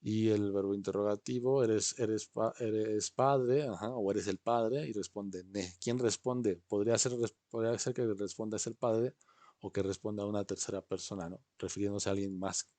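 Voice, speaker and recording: A man's voice: on the low side, steady tone, moderate pace, mellow, no room sound. A man teaching an online class, patiently explaining and often checking in with his students. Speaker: language teacher. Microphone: video call.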